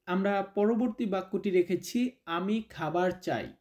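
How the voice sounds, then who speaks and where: A man from Bangladesh, a native Bengali speaker, teaches beginners at an unhurried, drawn-out pace. He says each phrase twice and then breaks it down word by word. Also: high voice, a little mellow. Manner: repeats each phrase slowly, then explains it. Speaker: language teacher. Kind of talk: slow spoken language lesson.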